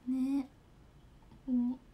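A woman's voice: high voice, monotone, very slow, noisy background. A young woman from Japan, chatting casually with fans on a smartphone livestream, giggling and reading out comments. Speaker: idol livestreamer.

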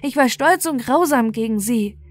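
A woman voicing a proud young boy in a fairy tale, with sharp, emphatic delivery. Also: a little high, lively intonation, normal speed, no echo, voice pushed up. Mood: troubled, remorseful. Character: proud, cruel, scornful young boy, later remorseful.

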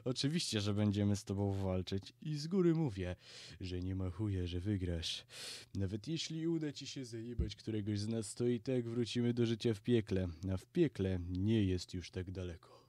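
A man voicing a gruff male horseman of war who talks bluntly and scornfully. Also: lowish voice, lively intonation, normal speed, mellow, no echo, studio quality, close to an everyday voice.

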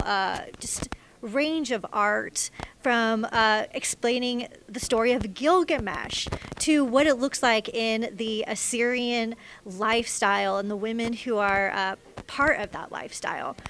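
Female exhibit presenter, 30s, slightly high voice, unscripted with hesitant pauses. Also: fairly bright tone, a little hiss or hum. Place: large indoor exhibition room. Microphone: handheld microphone.

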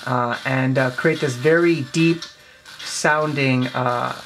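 A man in his twenties giving a casual hands-on explanation, a bit halting as he thinks aloud, recorded on a camera mic in a small office. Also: medium pitch, fairly even intonation, fairly bright tone. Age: 20s. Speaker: presenter of a tech demonstration. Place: small cluttered office indoors. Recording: clear background noise, clicks of handling.

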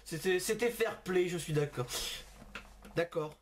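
A man's voice: high voice, measured pace, a little hiss or hum. A man hosting a gaming video in casual commentary, laughing often and exclaiming while he types to a chatbot at his computer. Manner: giggly, exclaiming, talking to a chatbot.

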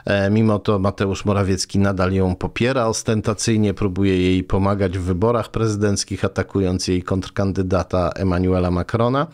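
Mężczyzna po czterdziestce, z nieco niskim głosem, rozmawia przy biurku ze studyjnym mikrofonem na ramieniu. Mówi z wieloma wahaniami i „e”, a jego uwagi są sarkastyczne. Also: male voice, deep voice, steady tone, normal speed, hardly any pauses, darkish tone. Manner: hesitant, many fillers, sarcastic commentary. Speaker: interview guest. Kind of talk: political interview. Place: small dark studio. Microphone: boom mic on desk arm.

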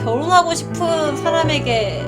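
A very high-pitched woman talks her way through a game, chatty and self-mocking, laughing often. Game music plays clearly behind her. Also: expressive, normal speed. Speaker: game streamer. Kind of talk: casual let's-play commentary.

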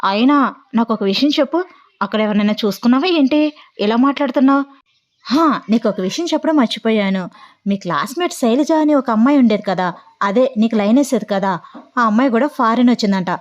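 A woman plays a mischievous young prank caller pretending to be heartbroken, her voice on the high side, animated, and a little fast. The light acting is tearful, teasing, and melodramatic, captured on dull lo-fi audio.

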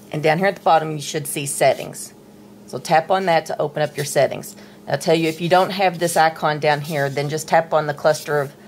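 A woman's voice: deep voice, a little hiss or hum. A middle-aged woman walking through tablet setup steps in a patient, chatty tutorial, talking while she handles the device. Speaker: tech tutorial presenter. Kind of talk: casual step-by-step tutorial. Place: indoors at a table, dim room.

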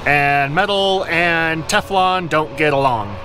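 Chatty man vlogging outdoors, slightly high. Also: slow pace, slight background noise. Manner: relaxed, chatty, self-correcting. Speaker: travel vlogger. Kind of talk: casual vlog narration. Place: outdoors in town and at a truck camper.

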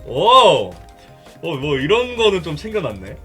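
A man's voice: fairly high pitch, wildly swooping pitch, measured pace, fairly bright tone, soft background music. A man live-streaming, chatting casually about a game in a teasing, joking manner with crude slang. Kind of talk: casual chat while showing a game.

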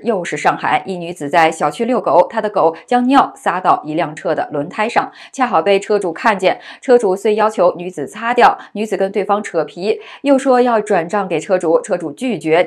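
Woman reading news narration briskly. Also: medium pitch.

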